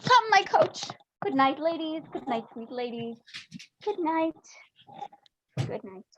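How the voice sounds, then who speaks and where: Grief-mad young noblewoman played by a woman, high voice, drifting singsong verse; dull, noisy livestream audio with clicks. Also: animated, slow pace. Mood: mad, sorrowful. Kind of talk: amateur dramatic reading of Shakespeare. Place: remote livestream from separate location.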